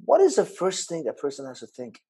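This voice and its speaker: A man hosts an interview in a mellow, husky voice. He talks haltingly, with frequent pauses and restarts, and keeps checking in with his guest by adding tag questions. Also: fairly high pitch, wildly swooping pitch. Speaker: interview host. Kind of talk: conversational interview.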